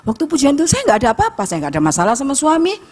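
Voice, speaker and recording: A woman, preaching a sermon in church, swinging between loud urging and soft storytelling. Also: high voice, wildly swooping pitch, racing. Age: 50s. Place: church sanctuary.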